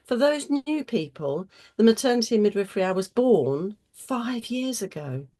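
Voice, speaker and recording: Husky woman hosting a webinar. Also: fairly high pitch, very animated, normal speed, mellow. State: getting over a cold. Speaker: host chairing an online webinar. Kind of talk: informal presenter's welcome and introductions.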